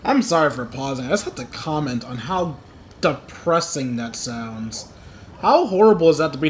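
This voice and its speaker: A man's voice: fairly high pitch, a little hiss or hum. A man hosting a gaming video, commenting casually and reading dialogue aloud. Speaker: gamer, video host. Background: game music.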